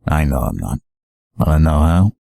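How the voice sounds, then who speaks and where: A man playing an earnest, steady young Atlantean superhero in an audio drama, speaking calmly and supportively. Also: very deep voice, normal speed, creaky, no echo, studio quality, exaggerated voice. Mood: reassuring, sincere. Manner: calm, sincere, supportive.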